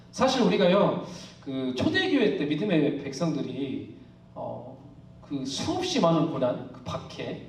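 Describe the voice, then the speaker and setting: A male pastor giving a live sermon to a youth congregation, chatty and quick to laugh, asking the room questions. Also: on the high side, darkish tone. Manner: conversational, asks the congregation questions; laughs often while preaching. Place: church worship hall. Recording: echoey hall, distant mic.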